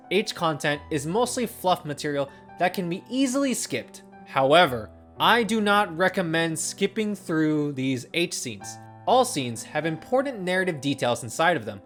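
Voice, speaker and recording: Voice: mid-range voice, fairly bright tone. A reviewer reading a scripted video essay in an earnest, enthusiastic way.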